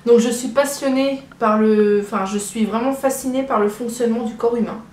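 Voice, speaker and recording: A little fast and fairly even in intonation, her voice pitched fairly high with a darkish tone, a woman in her early twenties from Brittany casually introduces herself as a vlogger. She wanders, hesitates and says things twice. It's filmed indoors in a small home living room on a compact camera set on a tripod about a metre away, with an echoey sound and clear background noise.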